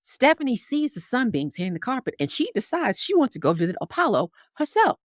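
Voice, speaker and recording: A woman's voice: a little high, big pitch swings, brisk, dry recording, studio quality. A woman guest telling a story in conversation, acting out characters with big swings in voice. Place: Harlem upbringing.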